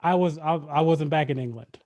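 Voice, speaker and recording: A man's voice: a little high, brisk, a little mellow. A man co-hosting a podcast in casual banter, rambling with lots of "like" and laughing between jokes. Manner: rambling, laughs often, says "like" and "big dog". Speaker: podcast co-host.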